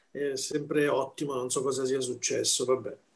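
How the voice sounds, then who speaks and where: Here a man speaks at a moderate pace. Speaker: academic speaker; speaker. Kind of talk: conference talk. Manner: halting. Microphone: video call.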